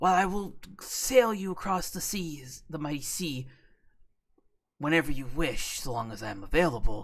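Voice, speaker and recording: A put-on character voice at a middle pitch moves at a moderate pace, broken by long, frequent pauses. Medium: actual play. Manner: old-fashioned nautical speech.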